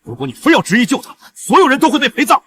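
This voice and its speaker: Ruthless household lord: brisk, decisive, threatening costume drama delivery. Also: male voice, high voice, big pitch swings, pushed and bright, heavily acted. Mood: cold, threatening. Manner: menacing, decisive. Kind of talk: costume short drama acting.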